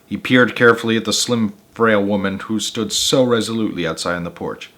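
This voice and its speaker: A man's voice: fairly low pitch, steady tone, a little fast, a bit bright. A man reading a children's book aloud as the narrator of a storytime show. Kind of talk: children's book read-aloud with casual asides.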